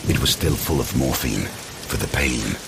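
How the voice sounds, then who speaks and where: A man with a gravelly voice delivering dramatic scripted narration for a gothic horror audio drama. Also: very deep voice, moderate pace, very noisy. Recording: loud cinematic music and rain behind.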